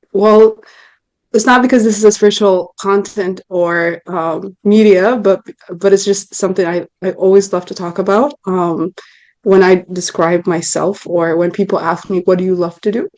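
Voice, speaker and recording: An Ethiopian woman in her twenties, a guest in a casual interview, answers questions earnestly but with frequent ums and restarts. Her mid-range voice is steady, a little slow, and a little mellow.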